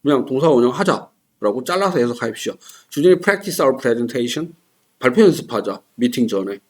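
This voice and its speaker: A man's voice: medium pitch, animated, normal speed. A man teaching English test strategy in a casual lecture, acting out example dialogues with playful voices.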